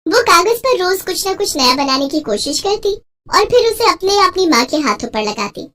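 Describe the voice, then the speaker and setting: A woman narrating a storybook tale in an even, storytelling manner. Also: extremely high pitch, moderate pace.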